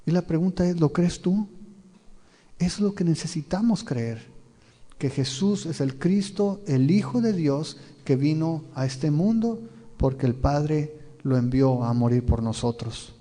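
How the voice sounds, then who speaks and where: With a fairly high, mellow voice, lively intonation and an unhurried pace, this Mexican pastor works verse by verse through a Bible sermon. He frequently asks his audience questions and brings the scenes vividly to life, heard through the long reverb of a large hall.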